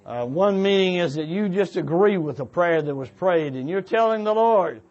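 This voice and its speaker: A man with a fairly high voice speaks as a church preacher, urging his listeners on in an earnest way. His delivery is a little halting, with phrases restated as he goes. The recording sounds slightly dull and muffled. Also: expressive, a little mellow. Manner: earnest, exhorting. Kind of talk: sermon-like exhortation to a congregation. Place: church meeting before a congregation.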